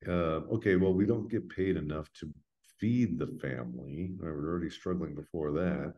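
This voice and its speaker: A middle-aged American man with a low, mellow voice talks as a guest in an interview. He explains things in an earnest, plain-spoken way, conversationally, often tagging his points with a checking "right?". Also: moderate pace, lo-fi sound. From United States. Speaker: interview guest, veterans' foundation representative.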